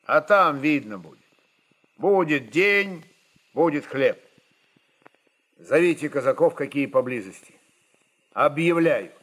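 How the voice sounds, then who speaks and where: Man acting a forceful Cossack rebel chieftain. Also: fairly high pitch, expressive, exaggerated voice. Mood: resolute. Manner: forceful, halting declarations. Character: commanding Cossack rebel chieftain, bold, gruff, impatient.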